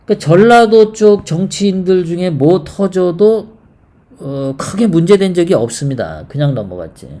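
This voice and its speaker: A host giving live political commentary, rambling and halting, often putting rhetorical questions to the viewers. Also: medium pitch, warm tone. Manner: halting, many fillers and repeats.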